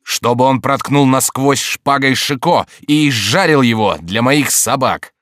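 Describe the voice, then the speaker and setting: Guy reading as a bossy whiny king, lowish voice, dry studio sound. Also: moderate pace, dry recording, close to an everyday voice. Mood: commanding. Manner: loud, commanding, whiny. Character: petulant capricious adult male king. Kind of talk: audiobook character voice.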